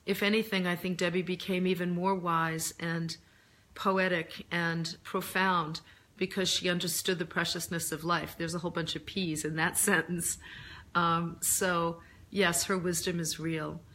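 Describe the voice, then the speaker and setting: A middle-aged woman recovering from laryngitis, chatting casually on a live stream in a reflective, earnest, halting way, her voice deeper than usual. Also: little pitch movement, fairly bright tone. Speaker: host of a live stream, author and coach. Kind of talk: casual live chat answering viewer questions.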